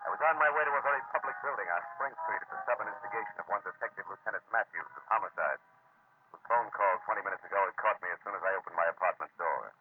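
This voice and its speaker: An actor playing a world-weary, cynical private detective with clipped, wisecracking delivery in a 1940s radio drama. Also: male voice, low-pitched, lively intonation, rapid-fire. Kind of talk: 1940s radio drama acting and first-person narration. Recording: noisy, narrow-band old radio recording.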